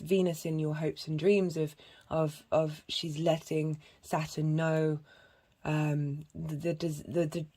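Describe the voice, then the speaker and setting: A woman with a husky voice and a cough, giving a rambling casual tarot and astrology reading full of fillers and restarts. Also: low voice, a little mellow. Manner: meandering, many fillers and restarts. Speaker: tarot reader.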